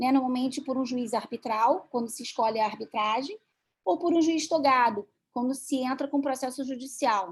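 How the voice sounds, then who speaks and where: A woman speaks at a high pitch. Her pace is moderate, with ordinary pitch variation. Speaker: lawyer and mediator giving a talk. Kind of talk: webinar lecture. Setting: online video call.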